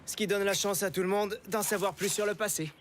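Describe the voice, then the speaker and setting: A man's voice: sits high, fairly even intonation, brisk, music in the background, natural voice. A man voicing a friendly, enthusiastic archaeologist who teaches patiently, with an encouraging, explanatory manner, in a children's cartoon dub.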